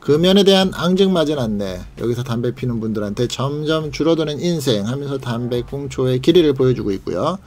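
A man's voice: medium pitch, expressive, a little fast, few pauses, darkish tone. A man hosting a travel vlog, narrating a leisurely tour in a guide-like way and pointing out sights. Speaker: vlog host.

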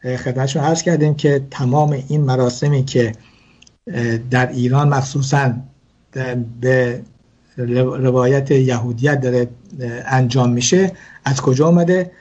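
A man's voice: mid-range voice, fairly even intonation, darkish tone, lo-fi sound. A man explaining religious wedding customs in a talk show, hesitant, with many fillers and restarts. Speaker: guest speaker on Jewish customs.

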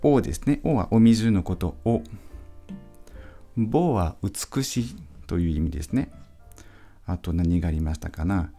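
Slow, deep-voiced male French teacher. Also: lively intonation, dark tone, soft background music. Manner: patient, repeats sounds slowly for practice. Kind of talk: pronunciation lesson.

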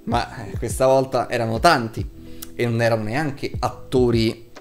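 A young man in his twenties delivers a blunt, emphatic review in a casual, sweary way. His voice sits at a middling pitch. Music plays behind him as he talks. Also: fairly even intonation, normal speed. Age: 20s. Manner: blunt, foul-mouthed, emphatic. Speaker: video reviewer. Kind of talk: casual opinionated review to camera. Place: small room at home, indoors.

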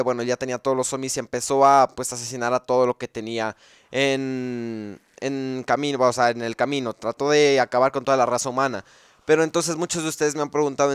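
A man talks through a video game theory in a loose, explanatory way, pausing on fillers and restarting his sentences. His voice is smooth and clear and sits at an ordinary pitch. It is recorded dry and close, with no room sound. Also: dry recording. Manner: thinks aloud, with frequent fillers and restarts. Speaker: gaming YouTuber explaining game lore. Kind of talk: casual explanatory commentary.

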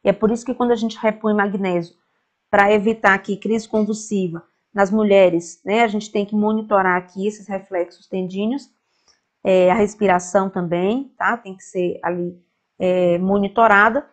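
A woman's voice: medium pitch, steady tone, moderate pace. A woman with a Brazilian Portuguese accent teaching an online nursing exam-prep lecture. She explains step by step and often checks in with "tá?". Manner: reassuring and direct toward students.

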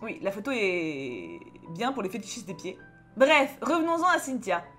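This young adult streamer has a French accent and a medium-pitched voice, keeping a moderate pace as she plays a story game and reads its dialogue aloud. She's chatty, expressive and joking, swinging between loud outbursts and mutters while faint music plays behind her.

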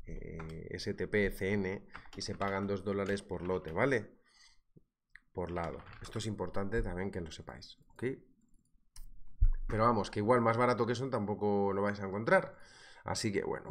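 Brief: Spanish man, 30s, lowish voice, webinar host, sore throat, lively and chatty with viewers. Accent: Spanish from Spain. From Spain. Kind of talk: live market analysis webinar, reading viewer comments. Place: small indoor room at a desk.

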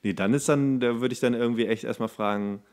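A man's voice: mid-range voice, fast, darkish tone. A man in his thirties chatting casually as a podcast co-host, rambling and rephrasing mid-sentence. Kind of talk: casual chat.

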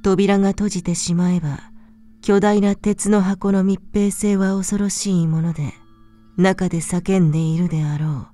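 A woman reading a scripted horror story as narrator, in a calm, measured, soft manner. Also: lowish voice.

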